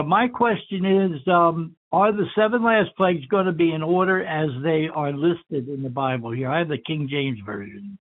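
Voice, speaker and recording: Male phone-in caller, a touch higher-pitched, polite with some hesitations, thin phone-line sound. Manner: polite, slightly halting with fillers. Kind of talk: call-in question.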